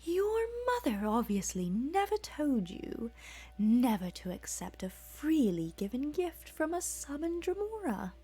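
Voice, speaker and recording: A woman voicing a cold, mocking male Dremora demon with a put-on British accent, speaking softly and half-whispered. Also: high-pitched, sing-song, unhurried, husky, pitched above the performer's own voice, heavily acted. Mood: gloating.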